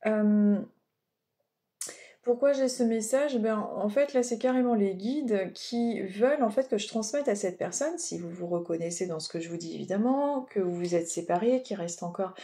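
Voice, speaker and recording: Chatty French woman with a mellow voice. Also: medium pitch, moderate pace. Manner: chatty, rambling, digressive with many fillers. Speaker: medium giving oracle card readings. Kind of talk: casual spiritual guidance talk.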